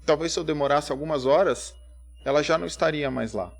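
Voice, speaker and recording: A man, giving a conversational church sermon full of rhetorical questions, rising to loud emphatic peaks and dropping to quiet asides. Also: on the high side, fairly quick, vocal fry. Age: 30s. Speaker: preacher.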